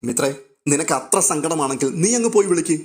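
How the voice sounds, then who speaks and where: A man voicing a cold, sharp-tongued older aunt who speaks dismissively. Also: on the high side, lively intonation, fast talker, lightly acted. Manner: dismissive, harsh.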